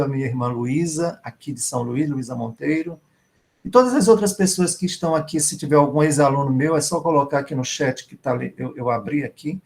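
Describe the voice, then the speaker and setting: Creaky-voiced writer reminiscing. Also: male voice, medium pitch. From Maranhão, Brazil. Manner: reminiscing, warm and grateful. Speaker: writer and professor, guest speaker. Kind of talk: online literary conversation.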